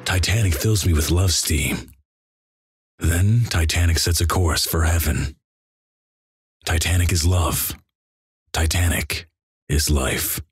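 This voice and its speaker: Very deep, husky deadpan man. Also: measured pace, long pauses, no echo. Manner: deadpan, flat delivery of crude jokes. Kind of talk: deadpan reading of internet stories.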